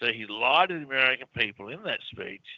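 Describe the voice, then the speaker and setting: A man with an Australian accent, bright, sharp tone and fairly quick pace, in a dry, close sound with no echo. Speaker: researcher and therapist. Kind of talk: interview. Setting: phone call.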